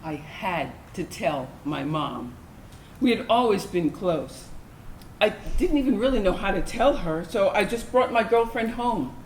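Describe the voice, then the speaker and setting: Young gay woman recalling coming out, played by a woman, unhurried stage monologue, roomy sound. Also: medium pitch, lively intonation, darkish tone. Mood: hurt, reflective. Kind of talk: dramatic monologue in a staged reading. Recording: echoey room, faint background noise.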